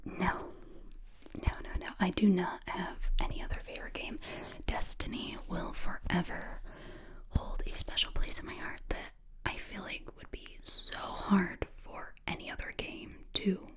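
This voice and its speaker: A woman in her twenties from the United States, whispering ear to ear as she answers viewer questions in a relaxed, chatty way. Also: on the low side, measured pace. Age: 20s. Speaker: ASMR creator. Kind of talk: whispered ASMR Q&A. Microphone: close binaural mic.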